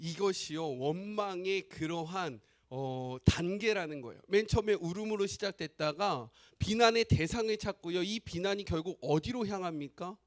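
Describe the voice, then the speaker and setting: A man's voice: high-pitched, moderate pace, few pauses. A male pastor preaching a sermon, who keeps the congregation involved by asking them frequent questions.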